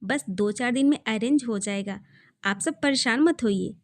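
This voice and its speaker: A woman's voice: a little high, normal speed, darkish tone, no echo, close to an everyday voice. A woman voicing a polite, modest young female doctor in a storybook reading.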